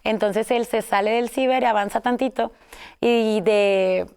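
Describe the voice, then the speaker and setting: Woman, Mexican accent, casual storytelling, rambling, fillers, gravelly edge. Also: fairly high pitch, steady tone, measured pace, darkish tone. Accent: Mexican Spanish. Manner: rambling, many fillers and self-corrections. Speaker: guest telling her story.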